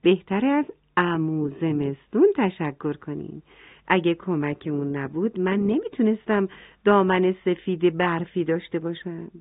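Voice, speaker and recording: A woman voicing quiet, gentle White Snow. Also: lowish voice, dry recording. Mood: modest. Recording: tinny phone-like dry sound.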